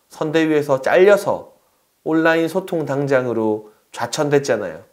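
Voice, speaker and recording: Against a quiet background, a man with a fairly high pitch talks at a fairly slow pace. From South Korea. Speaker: political commentator. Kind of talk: political commentary monologue. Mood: critical, sarcastic. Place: studio. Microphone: studio mic.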